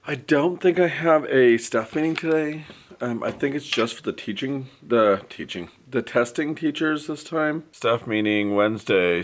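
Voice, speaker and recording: A man's voice: mid-range voice, a little hiss or hum. A man who teaches first grade, chatting casually to his vlog camera, rambling and correcting himself as he thinks aloud. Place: school classroom.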